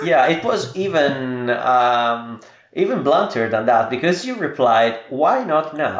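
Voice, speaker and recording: Speaking at a very slow pace with an Italian accent and lively intonation, the voice comes through audible room echo and noticeable background noise. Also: man, fairly high pitch for a man. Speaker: historical martial arts instructor. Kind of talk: podcast interview. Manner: halting.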